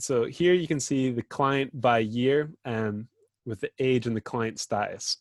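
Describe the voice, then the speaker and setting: A man's voice: medium pitch, dry recording. British man, informal screen-share presenter, lots of "um"s, dry sound. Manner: informal, with frequent fillers. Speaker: data dashboard presenter. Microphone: video call.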